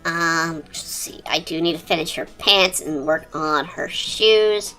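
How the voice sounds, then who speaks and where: A streamer talking through a high-pitched chipmunk voice changer in rambling, casual chat while drawing. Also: measured pace, poor audio. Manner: rambling, chatty, lots of fillers. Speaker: art streamer. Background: quiet cafe-style background music.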